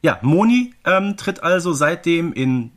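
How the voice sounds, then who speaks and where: A man's voice: a little high, big pitch swings, unhurried. A man co-hosting a podcast, explaining things in a casual but methodical, informative way. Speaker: podcast co-host.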